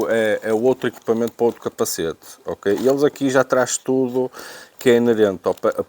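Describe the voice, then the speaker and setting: A man with a European Portuguese accent and a lowish voice talks through a product unboxing. He speaks off the cuff, thinking aloud and often repeating words as he searches for the next one. There is faint noise in the recording. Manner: hesitant, repetitive, thinking aloud. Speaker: unboxing video presenter. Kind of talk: casual unscripted product review.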